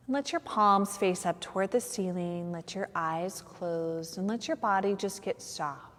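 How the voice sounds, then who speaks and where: A woman guiding a meditation as a yoga nidra teacher, soothing and unhurried, with long pauses between phrases. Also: on the low side. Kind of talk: guided meditation. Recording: long reverberant hall-like echo.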